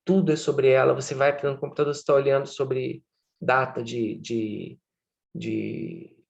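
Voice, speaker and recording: A man with a Brazilian Portuguese accent teaches in an easygoing, conversational way, checking in with his listeners through frequent tag questions. His voice sits at an ordinary pitch with a noticeable gravelly fry, and he drops into quick acted-out examples to make his points. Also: lively intonation, highs cut off. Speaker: lecturer. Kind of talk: informal lecture.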